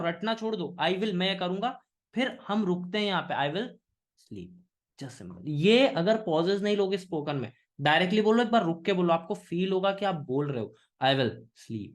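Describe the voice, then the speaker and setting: A man from India teaching English in a live online class, mixing Hindi and English, often asking students questions and slowing down on example sentences. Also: high voice. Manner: Hinglish, engaging students with questions; slow, pausing model sentences.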